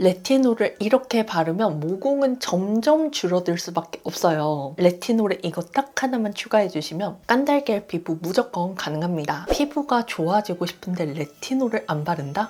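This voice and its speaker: A woman speaks with hardly any pauses. Her pitch swings very widely. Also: medium pitch for a woman, moderate pace. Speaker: beauty YouTuber. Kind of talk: skincare product review to camera.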